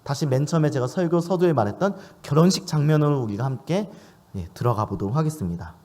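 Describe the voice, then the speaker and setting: A man's voice: fairly high pitch, animated, fast, dark tone. A man preaching a sermon in church, asking questions of his listeners as he speaks. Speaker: pastor.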